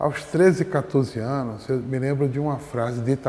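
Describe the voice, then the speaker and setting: A man speaks in an ordinary speaking voice at a fairly high pitch. His intonation stays fairly even. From Brazil, Pernambuco (Garanhuns). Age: 60s. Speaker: professor. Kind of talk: oral history interview.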